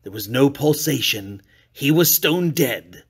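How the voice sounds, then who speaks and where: A man voicing a deranged, nervous murderer in a classic villain voice, giving a theatrical, insistent dramatic reading of gothic horror with drawn-out words. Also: medium pitch, lively intonation, gravelly, slightly rough, heavily acted. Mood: chillingly satisfied.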